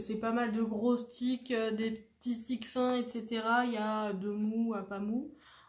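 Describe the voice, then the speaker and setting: A woman speaks very slowly, her pitch fairly high. Her intonation stays flat and monotone. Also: hardly any pauses. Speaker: YouTuber. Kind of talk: product haul vlog. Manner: hesitant, many fillers.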